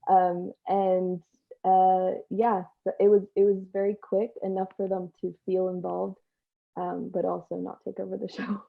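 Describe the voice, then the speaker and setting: A woman's voice: medium pitch, completely flat delivery, measured pace, creaky. A woman chatting casually as an interview guest, heard through tinny, narrow call audio. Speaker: stage actor, panel guest.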